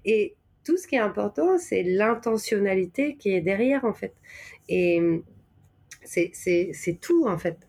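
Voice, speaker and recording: Speaking at a measured pace in an expressive, slightly mellow mid-range voice, a French-accented woman from Normandy reflects aloud as a podcast interview guest. She sometimes hunts for words and stresses the important ones.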